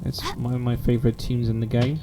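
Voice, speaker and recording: A man's voice: medium pitch, level tone, quick pace. Polish-accented man chatting on stream. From Poland. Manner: chatty, thinking aloud with many restarts. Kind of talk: casual gaming stream chat. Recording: game music playing behind.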